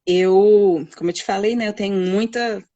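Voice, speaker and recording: A woman, a guest mother telling a personal story in a halting way, with many fillers. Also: medium pitch, steady tone, mellow, dry recording, lo-fi sound. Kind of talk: personal storytelling in a live chat.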